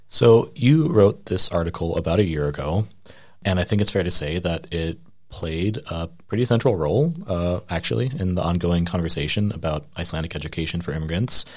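A man interviewing a guest, asking measured questions with many hedges. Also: deep voice. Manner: measured, hedging with "kind of".

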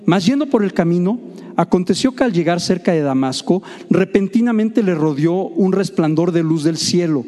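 A man preaches a sermon, his voice pitched high yet mellow and soft-edged. He reads scripture, then retells it as an animated story with jokes for his listeners. The sound rings out with a long reverb, as in a large hall. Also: normal speed. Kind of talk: sermon with Bible reading.

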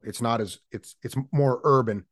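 A man co-hosting a podcast, telling stories in a dry, deliberate way. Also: mid-range voice, no room sound. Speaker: podcast co-host. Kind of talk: casual chat.

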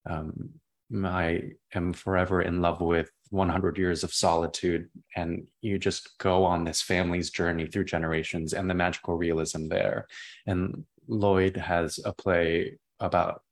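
A young man with a naturally deep voice, a playwright answering interview questions in an expansive, enthusiastic way that drifts into tangents. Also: level tone, a little slow. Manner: expansive, enthusiastic, prone to tangents and repeated words.

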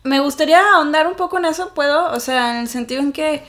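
Young woman co-host, casual expressive chat, a bit high-pitched, soft trailing asides. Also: fast. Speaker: podcast co-host.

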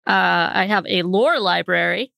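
A woman's voice: lowish voice, a little slow, creaky, bright, forceful tone, no room sound, studio quality. A woman casually describing her character in a tabletop game, chatty with frequent fillers and laughs. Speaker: player.

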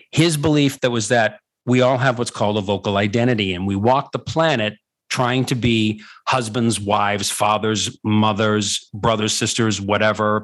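A man's voice: fairly low pitch, fairly bright tone. A middle-aged man telling his own story conversationally as an interview guest, emphatic and repeating phrases for effect. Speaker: guest, voice-over coach and former voice actor.

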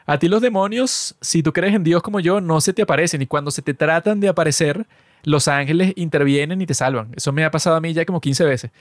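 A Latin American man chatting on a podcast. His voice sits a little high and sounds dry and close to the mic. He jokes and brags with mock seriousness, slipping into slang as he tells stories. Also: quick pace, no room sound. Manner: joking mock-boastful, slangy storytelling. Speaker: podcast co-host. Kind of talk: casual podcast chat.

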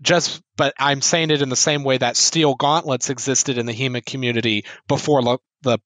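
A man's voice: medium pitch, moderate pace, dry recording. Earnest man talking close and dry. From United States. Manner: earnest, explanatory, steady flow with small restarts. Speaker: sword fencing instructor, guest. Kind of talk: casual podcast interview.

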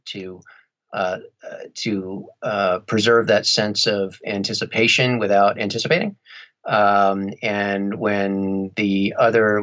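Male interview guest, lower register, reflective and wordy with hesitant phrasing, slightly lo-fi audio. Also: a bit bright.

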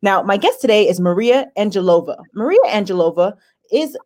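A woman's voice: medium pitch, lively intonation, a little fast, a little mellow. A woman hosting a podcast, reading an upbeat scripted intro and asking her guest questions. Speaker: podcast host.

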